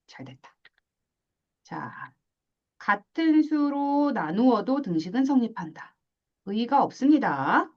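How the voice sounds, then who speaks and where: A woman teaching a math class, lively, asking questions and acting out little scenes. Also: high-pitched, highs cut off. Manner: animated, asks questions and acts out little scenes. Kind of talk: classroom lecture.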